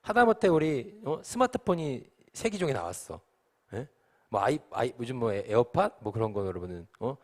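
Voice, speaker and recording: A man preaching to a youth group as pastor, acting out the disciples' panic in quick, lively asides. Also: mid-range voice.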